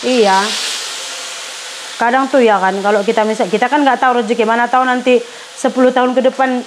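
A woman's voice: on the high side, steady tone, a little fast, a little hiss or hum. Chatty middle-aged woman cooking. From Indonesia. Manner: chatty, addresses viewers as pemirsa. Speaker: cooking vlogger. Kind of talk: casual chat while cooking. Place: home kitchen.

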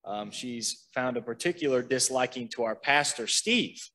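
A man's voice: medium pitch, normal speed, rough recording. A man, a care home administrator, telling a funny story about a resident on a panel. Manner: storytelling with laughter, relaxed. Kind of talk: panel answer, anecdote. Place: meeting room.

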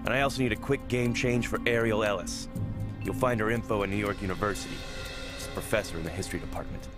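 A man's voice: fairly low pitch, steady tone, fast talker, natural voice. An actor playing a wary, stubborn male wreck diver in a motion comic, speaking in a terse, skeptical way. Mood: resolved. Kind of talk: dramatic motion-comic acting. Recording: loud dramatic music over voice.

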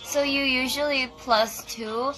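A woman, chatting slowly and giggling on a phone livestream from a small bedroom. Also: high voice, fairly even intonation, crowd noise, low-quality recording. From South Korea. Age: 20s. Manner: slow, searching for words, giggly. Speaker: livestream co-host. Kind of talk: casual livestream chat. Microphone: phone camera close up.

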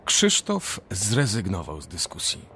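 A man's voice: lowish voice, huge pitch swings, measured pace, a bit bright, a little hiss or hum. A man reading scripted narration for a radio drama.

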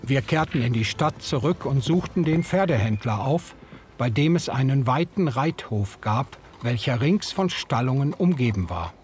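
An actor narrating in first person as a young German newcomer, measured and storytelling. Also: male voice, medium pitch, expressive, darkish tone, faint music behind, natural voice. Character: young German greenhorn narrating his past.

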